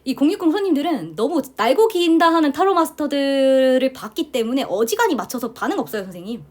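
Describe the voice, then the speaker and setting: A middle-aged woman from South Korea teaching a tarot class, talking in a chatty, animated way and often addressing her listeners directly. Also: high voice. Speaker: tarot instructor. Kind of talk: lecture to students.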